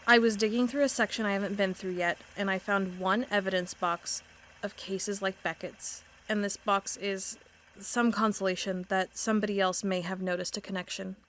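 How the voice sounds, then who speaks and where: An actress playing a determined federal agent, reading a case report earnestly over music. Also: female voice, mid-range voice, fairly even intonation, moderate pace, a bit bright, slight background noise, close to an everyday voice. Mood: intent. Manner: earnest, intent, reads formally. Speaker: investigating agent. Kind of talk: audio drama monologue reading a report. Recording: music bed under voice.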